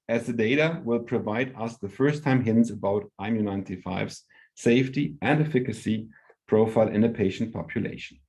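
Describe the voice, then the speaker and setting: Mid-pitched man presenting a formal company update. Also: a little mellow. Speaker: company executive. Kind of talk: prepared earnings call presentation.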